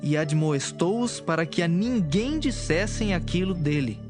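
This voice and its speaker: A man narrating scripture from a script in a measured, solemn manner. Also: a little high, animated. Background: music.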